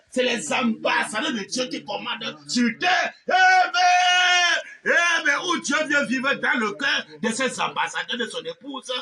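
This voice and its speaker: Fervent shouting male preacher. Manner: shouting, repeated amens, swinging pitch and loudness.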